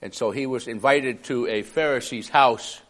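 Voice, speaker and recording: A man preaching a sermon in a conversational way, with a raspy, hoarse voice from a cough and chuckling asides. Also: medium pitch, moderate pace, fairly bright tone.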